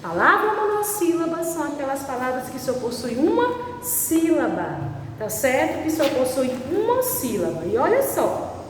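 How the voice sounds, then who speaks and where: A female teacher with a high, sing-song voice speaks slowly in a recorded online class, drawing out the spelling of examples and constantly checking with "certo?" The room is echoey and the recording sounds distant, with faint background noise.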